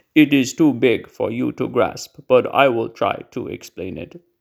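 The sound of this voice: In a put-on character voice, a man sounds strained, with medium pitch and a moderate pace.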